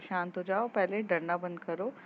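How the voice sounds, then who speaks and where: A woman voicing a tall teenage schoolgirl who comforts her frightened friend in soft, reassuring words. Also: lowish voice, moderate pace, phone-quality sound, a little hiss or hum, natural voice. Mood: teasing, soothing. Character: tall teenage schoolgirl, gently protective and teasing.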